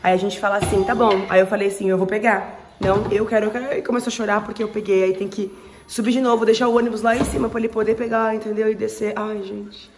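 A woman's voice: medium pitch, little pitch movement, fast, a little mellow, soft background music. A woman in her thirties with a Brazilian Portuguese accent, chatting affectionately and exclaiming through a casual family vlog. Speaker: family vlogger and mother.

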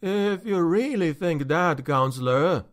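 Voicing a nervous steward while narrating a story, a man with a somewhat high, expressive voice delivers the lines slowly, shakily, and pleadingly, full of agitation.

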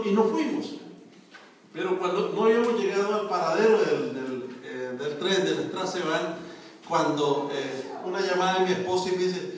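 Preaching man, echoey hall. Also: high-pitched. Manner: testimony with frequent "Gloria al Señor" exclamations. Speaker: pastor. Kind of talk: sermon. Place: church hall. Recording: echoey hall from far off with congregation.

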